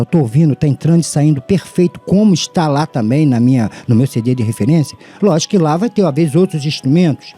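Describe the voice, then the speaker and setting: A man's voice: a little high, warm tone, slightly rough. A middle-aged Brazilian man with a tongue-tied lisp and slushy sh for s, teaching an audio lesson in a didactic way with rhetorical questions. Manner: didactic, addresses listeners formally, asks himself questions. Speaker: audio tutorial host. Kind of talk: informal scripted-free audio lesson. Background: background music.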